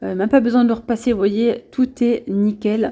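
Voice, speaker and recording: A woman speaks with a fairly high pitch and ordinary pitch variation. Her tone is dark and mellow. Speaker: lifestyle vlogger. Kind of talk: casual vlog with product review. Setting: parents' home. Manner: hesitant, many fillers; soft-spoken.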